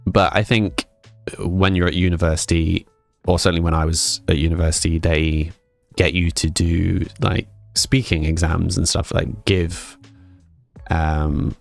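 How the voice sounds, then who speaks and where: A man's voice: low voice, creaky. A young man with an English accent mixing northern and southern sounds, chatting casually with his stream viewers and reading their messages aloud. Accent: English, mixed northern and southern. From England, with family in Scotland. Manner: relaxed, rambling, answers chat aloud.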